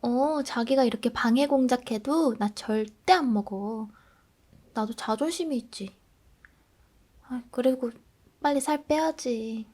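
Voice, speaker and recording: Woman as a pouty, grumbling girlfriend on a diet, bright high voice, soft role-play delivery. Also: measured pace, long pauses. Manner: grumpy, sulky, pouting. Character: dieting girlfriend, low on self-esteem. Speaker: ASMR role-play creator playing a girlfriend.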